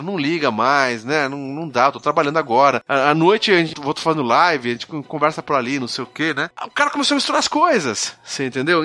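A man's voice: on the high side, sharp tone. A man from Brazil telling a rambling story in a casual podcast chat, full of fillers and restarts. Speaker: guest streamer on a podcast.

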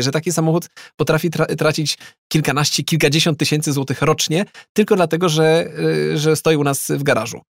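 Gravelly male voice, slightly high pitch, dry close sound, conversational discussion. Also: dry recording. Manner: explains by calculating figures aloud. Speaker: panel guest.

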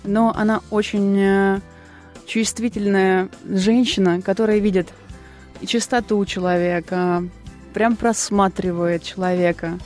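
Relaxed woman guest in a radio studio. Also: medium pitch, a little slow. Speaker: singer and TV presenter, guest. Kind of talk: radio interview. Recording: radio studio with faint music behind.

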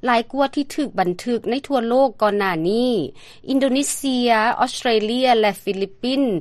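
A woman's voice: on the high side, fairly quick, darkish tone, dry recording. A woman with a Lao accent reading scripted radio news as the anchor.

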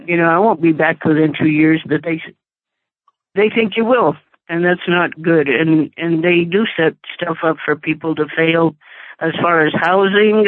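A woman's voice: sits low, no room sound. Woman caller, phone line, earnest, conversational, dry. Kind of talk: call-in talk radio.

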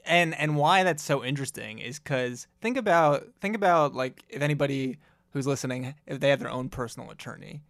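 Gravelly-voiced man co-hosting a chat. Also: mid-range voice, brisk, fairly bright tone, no echo, studio quality. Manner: casual, heavy use of "like" fillers. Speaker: podcast co-host. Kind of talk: casual legal news discussion.

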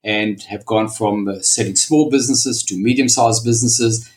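A man's voice: lowish voice, normal speed. A man in his sixties with a South African accent, a guest business broker who explains steadily and often restarts his sentences. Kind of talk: interview conversation.

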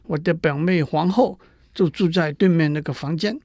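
A man's voice: fairly high pitch, moderate pace, darkish tone, no room sound, studio quality. A man voicing a suffering young prince who is half turned to stone, telling his woes in a mournful storytelling tone. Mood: grieving.

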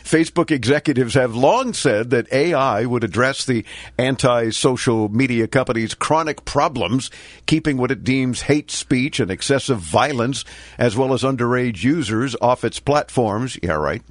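A man's voice: medium pitch, expressive, normal speed, no echo. An older man with a congested, nasal voice hosts a tech radio talk show, reading the news with dry sarcasm and wisecracks. The sound is dry and close, in a mid-range voice. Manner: sarcastic, quipping commentary. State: congested with a cold. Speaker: host.

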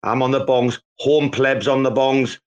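A man's voice: mid-range voice, fairly even intonation, unhurried, highs cut off. A man hosting a casual live chat, telling a rambling story full of swearing.

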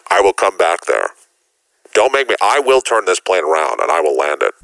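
A man voicing a gruff male airline captain speaking over the cockpit intercom, annoyed and halting. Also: low voice, big pitch swings, a bit bright, dry recording, pitched below the performer's own voice, exaggerated voice. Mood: scolding. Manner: drawling, annoyed announcement with halting uhs. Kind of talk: mock captain's cabin announcement on a podcast.

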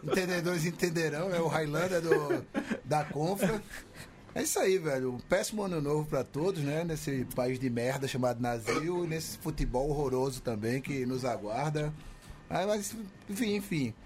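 A man banters in a fairly high voice. He is grumpy and sarcastic and swears often. Other voices chatter noticeably in the background. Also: normal speed. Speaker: podcast panelist. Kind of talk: casual banter.

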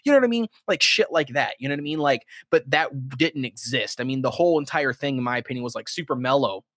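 A man's voice: medium pitch, fast, fairly bright tone, no echo, clean studio sound. A man co-hosting a live-streamed talk show, talking loosely and profanely with lots of "you know what I mean.". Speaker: podcast co-host. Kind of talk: casual live-stream chat.

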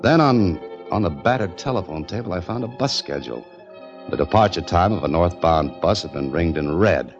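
Deep, dry-witted 1940s detective narrating, lo-fi radio sound. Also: male voice, animated, normal speed. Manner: dry, wry, hard-boiled narration. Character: wisecracking male detective narrator. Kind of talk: 1940s radio drama acting. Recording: dull lo-fi old radio with faint music.

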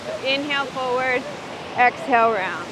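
A woman instructing a yoga class outdoors, speaking up over the rushing water of a river and waterfall. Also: sits high, expressive, noisy background.

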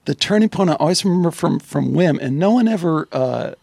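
A man hosting a podcast in a relaxed, conversational, somewhat halting way. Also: a little high, vocal fry, no room sound. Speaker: podcast host. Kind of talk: casual interview.

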